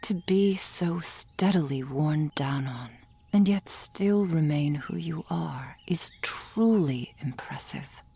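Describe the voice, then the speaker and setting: A woman playing a gentle, reassuring soul healer in an ASMR roleplay, speaking in a soft, formal whisper. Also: deep voice, takes it slowly, vocal fry, breathy edge, heavily acted. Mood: soothing whisper.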